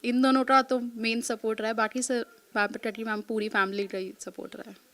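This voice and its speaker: Her voice sits on the high side and is a bit bright, with little pitch movement and a moderate pace. She's a thirty-something exam topper from Delhi answering an interviewer's questions courteously, saying ma'am often and blending in English words.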